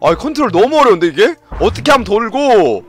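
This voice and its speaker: High, shrill, excitable male streamer. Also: over loud music. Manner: loud, yelping, frequent laughing; shouts quick repeated commands. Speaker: game streamer. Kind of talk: excited gameplay commentary.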